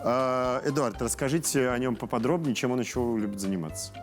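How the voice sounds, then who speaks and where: Man, children's show host, mid-pitched voice, chatty, encouraging, conversational, faint music behind. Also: a little fast. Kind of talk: conversational hosting.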